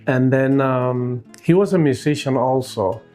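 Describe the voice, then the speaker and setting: A man in his sixties from Cuba with a Cuban accent and Spanish as his first language, answering interview questions casually and haltingly as a food truck owner. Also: medium pitch, dark tone, soft background music. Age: 60s. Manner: halting, searching for words.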